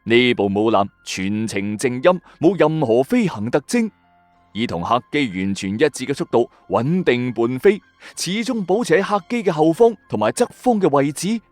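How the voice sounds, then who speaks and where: A man's voice: mid-range voice, expressive, moderate pace, darkish tone, dry recording, soft background music. A man with a Hong Kong Cantonese accent hosting a mystery show with dramatic scripted narration. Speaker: storyteller host of a mystery radio channel.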